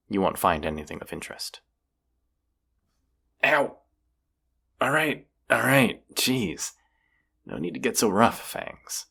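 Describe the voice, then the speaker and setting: Casting: male actor as stubborn wounded monster hunter, deep creaky voice, sarcastic and teasing, roleplay audio drama. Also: a bit bright, heavily acted. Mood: dry, defiant, then pained, annoyed. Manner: sarcastic, grumbling banter.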